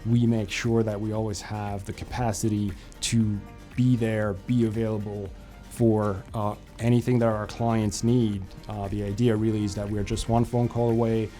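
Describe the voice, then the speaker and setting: A man's voice: on the low side, flat delivery, normal speed, dark tone, soft background music. A man in his forties from France, a financial advisor talking easily about his career, with frequent fillers and restarts. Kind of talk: company profile interview.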